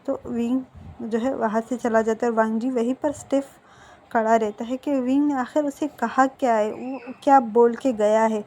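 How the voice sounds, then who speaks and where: A woman's voice: fairly high pitch, fairly even intonation, normal speed, darkish tone. A woman retelling a fan fiction story conversationally, with fillers and self-corrections.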